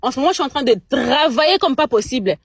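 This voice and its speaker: A woman's voice: high-pitched, expressive, fast, creaky, breathy edge, no room sound, studio quality. A young Congolese woman in a heated casual chat, speaking French with a Congolese accent, emphatic and indignant, stumbling over repeated words. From Democratic Republic of the Congo. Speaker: guest on a live chat.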